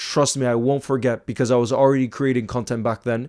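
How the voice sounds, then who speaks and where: At a fairly quick pace, a man speaks in an animated tone and medium pitch, in a very clean recording with a silent background. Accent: American. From France, with years in the US. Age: 20s. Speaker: football fan channel host. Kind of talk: live stream commentary with chat. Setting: live stream.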